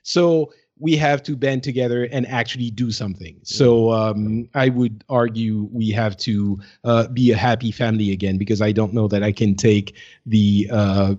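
A man co-hosting a casual gaming podcast, speaking in halting, hesitant phrases. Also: fairly low pitch, fairly even intonation, a little mellow. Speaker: podcast co-host. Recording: slightly dull, lo-fi voice track.

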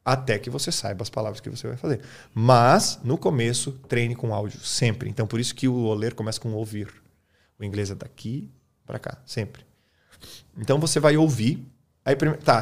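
A man with a Brazilian Portuguese accent, an English teacher explaining his method in a relaxed, colloquial chat, often tagging his sentences with quick questions. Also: medium pitch. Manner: relaxed, colloquial, peppers speech with tag questions.

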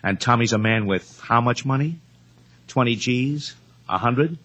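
A man's voice: mid-range voice, measured pace, fairly bright tone, highs cut off. A man playing a brash, needling comedian and schemer in a 1950s radio drama, wisecracking and pushy, repeating himself. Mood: sly, menacing.

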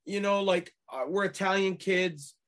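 A man's voice: high-pitched, a little slow, fairly bright tone. A man in his forties from Canada, a musician guest telling stories and joking in a casual interview. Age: 40s. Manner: joking, storytelling.

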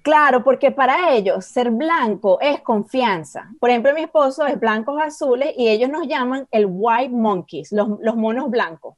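A woman, a podcast guest telling animated stories and slipping into English phrases. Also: on the high side, normal speed, hardly any pauses, no echo, clean studio sound. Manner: animated, mixes English phrases, acts out voices in anecdotes. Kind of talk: casual storytelling chat.

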